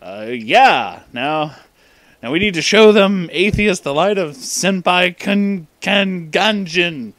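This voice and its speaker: A man's voice: sits high, lively intonation, slow pace, a bit bright, dry recording, pitched above the performer's own voice, heavily acted. A man voicing an awkward, flustered young anime fanboy in a comic story, stammering as he talks. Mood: fawning.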